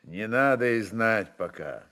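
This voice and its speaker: Man acting a gruff, animated Cossack chieftain. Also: fairly low pitch, unhurried. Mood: guarded, brisk. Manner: terse, folksy Cossack dialect. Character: commanding, wily Cossack chieftain, male, gruff but playful.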